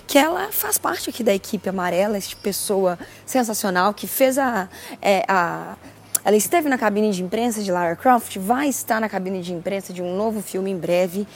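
A Brazilian woman hosting a podcast in a casual, chatty way, with a grating, cracked voice and a loud, exuberant, slangy manner. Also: mid-range voice, animated, moderate pace, a little hiss or hum. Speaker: podcast host.

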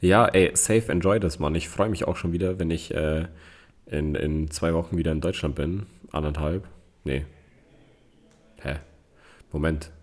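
A man's voice: very deep voice, measured pace, pauses often. A man co-hosting a casual podcast from abroad on a borrowed microphone, talking hesitantly with many fillers and chuckles. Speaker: podcast co-host. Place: remote recording from abroad.

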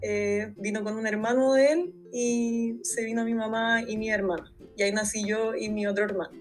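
Young Chilean woman with a highish voice. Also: level tone, normal speed, faint music behind. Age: 20s. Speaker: podcast guest, speech therapist. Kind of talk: casual personal storytelling in an interview.

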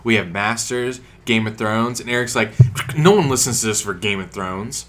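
A man's voice: fairly low pitch, normal speed, fairly bright tone, faint music behind. A man co-hosting a casual podcast, teasing his partner and fretting over the listener numbers. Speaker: podcast co-host.

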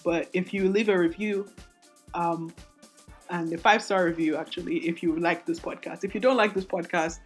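Woman, 20s, solo podcast host, raspy strained voice, candid and rambling, faint music underneath. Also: on the low side, fairly even intonation, normal speed. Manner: rambling, self-interrupting, candid. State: voice strained from singing.

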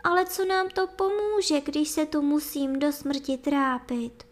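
Sorrowful young princess, voiced by a woman, raised high, soft and imploring. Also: steady tone, natural voice. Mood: tearful pleading. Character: young captive princess, pale, sorrowful, gentle.

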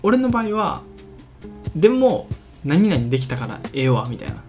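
A man's voice: fairly high pitch, very animated, moderate pace, mellow, soft background music. A young man with a Kansai accent co-hosting a casual chat podcast, laughing often and asking probing questions. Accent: Kansai Japanese. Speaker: podcast co-host.

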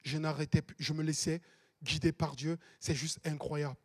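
A man, preaching a sermon as a pastor with emphatic, repeated exhortations that break into shouts. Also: fairly high pitch, steady tone, normal speed. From Cameroon.

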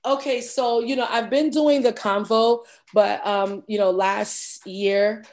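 A woman's voice: fairly high pitch, steady tone, slow, darkish tone. Chatty American woman podcast guest. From United States. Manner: talks with frequent fillers and "you understand?" tags. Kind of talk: casual conversation.

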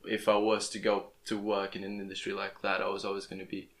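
A young man whose first language is Portuguese talks casually into his podcast microphone. His voice sits low and stays flat, and he often stumbles and restarts his words as he goes. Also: quick pace. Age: young adult. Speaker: podcast host. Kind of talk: casual interview chat. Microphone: plugged-in podcast microphone.

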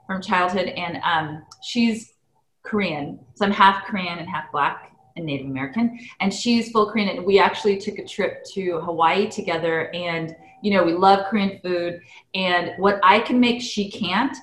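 A woman hosting an interview, asking curious questions in a casual, animated way and laughing easily. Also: lowish voice, moderate pace. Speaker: interviewer, host. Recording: echoey room.

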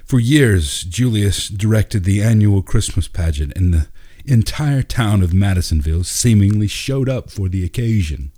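Male narrator for short fiction; low-pitched voice, scripted storytelling delivery. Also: dark tone.

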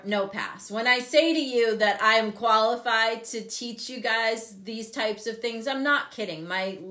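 A woman in her fifties hosting a talk show, telling a personal story in a candid, animated way with frequent laughs. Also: medium pitch, echoey room. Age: 50s. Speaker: show host and company CEO. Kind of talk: casual storytelling on a live show.

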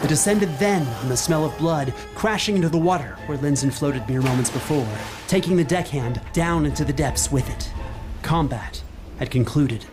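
A man narrating a fantasy horror adventure as game master, in grand, measured literary storytelling. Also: fairly high pitch, music in the background.

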